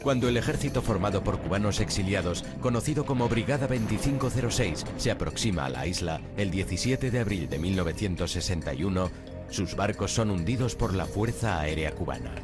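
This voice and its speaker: Male documentary narrator, low register, scripted delivery, prominent music underneath. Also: expressive, brisk.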